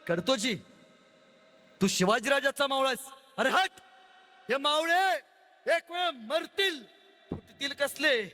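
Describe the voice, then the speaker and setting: Proud, taunting middle-aged general, as a speaker puts him on, high forceful voice, booming in a big echoey hall with a long reverb tail. A commanding historical warlord in a stage retelling. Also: male voice, slow, long pauses, full character voice. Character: imperious Mughal general, middle-aged man.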